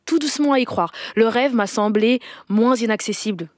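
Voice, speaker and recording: A young woman from Belgium, a singer, telling her story in a relaxed interview with lively restarts and quick laughs. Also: on the high side, no room sound, clean studio sound. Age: young adult. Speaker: singer, guest. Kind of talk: casual interview chat.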